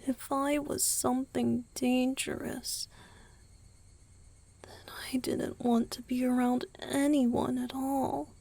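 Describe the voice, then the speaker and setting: Woman as a breathy, whispering vampire boyfriend. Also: high-pitched, little pitch movement, mellow, exaggerated voice. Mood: sorrowful, self-loathing. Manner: slow, halting, intimate confiding. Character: tender, guilt-ridden young male vampire boyfriend. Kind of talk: romantic ASMR roleplay.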